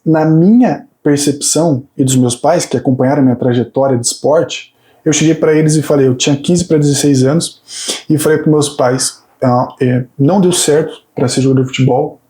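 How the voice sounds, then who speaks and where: In a casual interview chat, a fitness coach and PhD student in his thirties talks earnestly about his journey, restarting hesitantly again and again. His voice is a little high and dark-toned, steady, at a normal speed.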